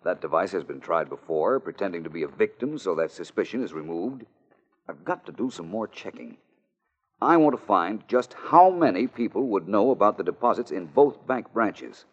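An actor playing a confident, clever male detective who reasons things through crisply, in 1940s radio acting. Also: fairly low pitch, expressive, normal speed. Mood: explaining. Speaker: amateur detective. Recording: dull old radio broadcast.

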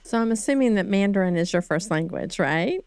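A woman's voice: medium pitch, expressive, a little fast, darkish tone, smooth. A woman co-hosting a podcast, asking friendly questions in a casual conversation. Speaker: podcast co-host.

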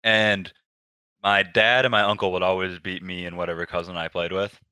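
A man in his twenties, a pro gamer guest, telling stories in a relaxed, low-key way with lots of fillers. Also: normal speed, clear, resonant tone, no echo. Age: 20s. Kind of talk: casual interview storytelling.

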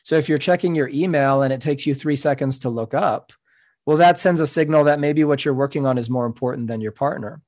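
A man from the United States whose first language was Spanish, sitting in as a podcast guest. He talks in a measured, reflective way at a middle pitch. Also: darkish tone. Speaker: author and guest. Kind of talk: podcast interview.

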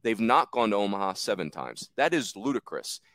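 Brief: male podcast host, low voice with a lively, swinging delivery, emphatic on numbers, dry close sound. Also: normal speed, no echo. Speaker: podcast host steering the discussion. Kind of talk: casual sports podcast talk.

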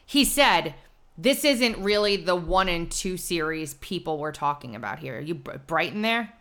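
Bright-voiced, lowish woman co-hosting a talk show. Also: lively intonation, normal speed. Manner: informal, explanatory, laughs easily. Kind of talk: casual live commentary, reading aloud.

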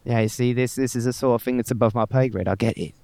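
A man's voice: mid-range voice, fast, mellow, dry recording, natural voice. A man playing a half-witted heist henchman who rambles in a chatty, self-deprecating way in a comedic audio drama. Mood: rambling. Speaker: voice actor.

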